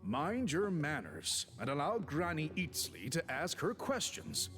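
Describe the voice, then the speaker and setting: A man playing a courteous, authoritative tribal chief in a video game, formal and measured. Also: a little high, huge pitch swings, a bit bright, faint music behind, full character voice.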